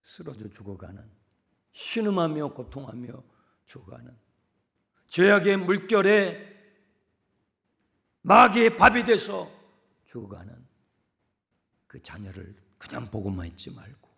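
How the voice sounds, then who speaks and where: A middle-aged male pastor preaching a sermon, moving from hushed whispers to loud cries and acting out the voices he quotes. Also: fairly high pitch, big pitch swings, a little slow, vocal fry, pauses often. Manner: dramatic, swings from hushed whispers to shouting; acts out quoted voices in the telling.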